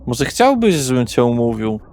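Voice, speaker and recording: A man's voice: mid-range voice, big pitch swings, normal speed, a little mellow. Man as street-slang young guy, cocky, vulgar, overexcited, pushy, roleplay game character.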